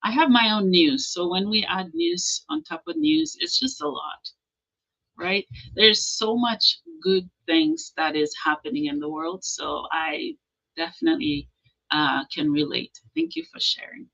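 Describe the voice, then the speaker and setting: A woman's voice: mid-range voice, big pitch swings, measured pace, vocal fry, sharp tone, highs cut off. A woman hosting a motivational livestream, encouraging her viewers, often checking in with "okay?" and reading out their comments. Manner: reads out and answers viewer comments. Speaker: livestream host.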